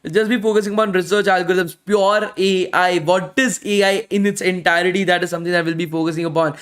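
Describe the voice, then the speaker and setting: A man's voice: high voice, fairly even intonation, fast talker, a bit bright. A man teaching a live online bootcamp, answering questions in casual talk and losing his voice from speaking daily. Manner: casual, repetitive, ends phrases with "guys". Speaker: bootcamp instructor.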